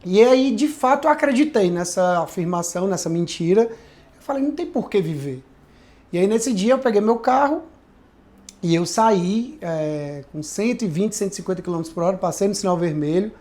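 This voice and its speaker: A man's voice: high-pitched, expressive, normal speed, a little mellow. Man, pastor, heartfelt testimony, conversational, tag questions. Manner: earnest, reflective storytelling with frequent tag questions. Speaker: pastor and podcast guest.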